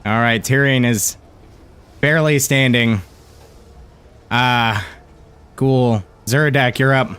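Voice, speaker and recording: Slow-paced man running a fantasy game. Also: medium pitch, fairly even intonation, a bit bright. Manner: casual, halting descriptive narration. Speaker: game master. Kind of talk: narrating a tabletop fantasy game.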